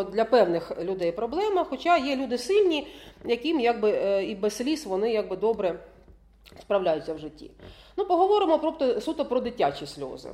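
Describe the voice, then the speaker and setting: Woman lecturer for parents, higher voice, lively melody, keeps asking if you agree. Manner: keeps checking in with the audience; laughs often while talking.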